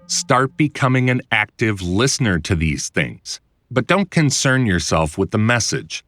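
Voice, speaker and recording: A man reading his own instructional audiobook in a conversational, clearly enunciated way, like a voiceover producer explaining the trade. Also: fairly low pitch, sing-song, unhurried, music in the background. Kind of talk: scripted instructional narration.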